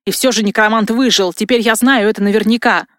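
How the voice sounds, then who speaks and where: A woman's voice: medium pitch, steady tone, fast, fairly bright tone, no room sound, close to an everyday voice. A woman voicing a furious young male fire mage and marquis, harsh and accusing in a dry, close recording. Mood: stern. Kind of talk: audiobook character reading.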